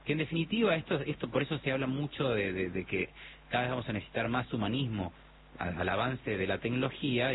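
A talkative Argentine man with a mild accent, explaining in long runs full of restarts and fillers. His voice sits at a middle pitch. It comes through a narrow, phone-like line with clear noise behind it. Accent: Argentine Spanish, mild. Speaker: technology guest. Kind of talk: radio interview.

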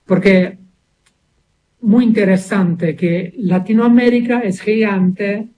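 Speaking slowly and warmly, with a high voice and mostly even intonation, a mature Brazilian musician talks casually in an interview. He is a native Portuguese speaker whose Brazilian accent has hints of Buenos Aires Argentine, and he gropes for words as he goes.

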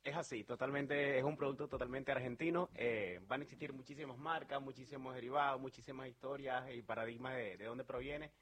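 Venezuelan man with a husky voice. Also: medium pitch, fairly even intonation, fairly quick, hardly any pauses, a bit bright. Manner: earnest, promotional, with many fillers and restarts. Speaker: sales manager. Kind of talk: interview.

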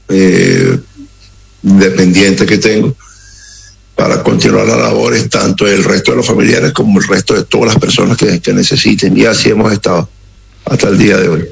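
A middle-aged man from Caracas with a Venezuelan accent, speaking slowly and gravely as a radio interview guest, with frequent halting pauses. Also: lowish voice, steady tone, poor audio. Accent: Venezuelan Spanish. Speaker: interview guest, security operative.

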